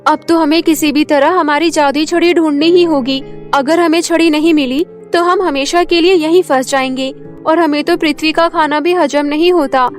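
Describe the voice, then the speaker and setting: A woman's voice: sits high, steady tone, moderate pace, hardly any pauses, faint music behind, natural voice. A woman voicing an earnest, worried female fairy in a cartoon story. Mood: anxious.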